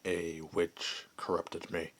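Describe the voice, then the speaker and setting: A man voicing a friendly, gentle werewolf and former adventurer in an intimate ASMR roleplay, chatting in a hesitant, softly amused way. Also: low-pitched, monotone, slow, creaky, heavily acted. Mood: hesitant, reflective.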